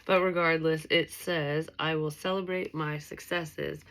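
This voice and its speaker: A woman's voice: deep voice, steady tone, measured pace, fairly bright tone. A woman giving a casual tarot reading to her viewers, sounding stuffy and nasal from allergies, rambling with lots of fillers. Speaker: tarot reader.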